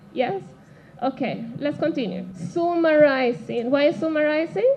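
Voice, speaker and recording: At a fairly slow pace, a woman speaks with a high pitch and very wide pitch swings over noticeable background noise. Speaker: English teacher. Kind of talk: teacher training seminar.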